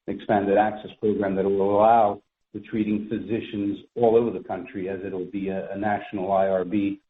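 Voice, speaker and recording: A man speaking as a company executive on a conference call, formal and measured, choosing his words carefully. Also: fairly low pitch, little pitch movement, narrow, tinny audio. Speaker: company executive answering analysts. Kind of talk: spontaneous business Q&A on a conference call. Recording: echoey, thin telephone conference line.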